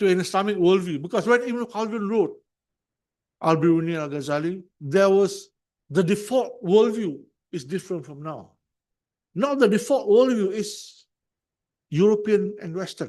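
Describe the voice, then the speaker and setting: Against a quiet background, a man speaks at a moderate pace in a high pitch with ordinary pitch variation. His loudness swings widely, and long pauses come often. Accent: Malaysian. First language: Malay. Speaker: professor giving a lecture. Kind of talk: lecture. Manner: halting, many fillers and repetitions.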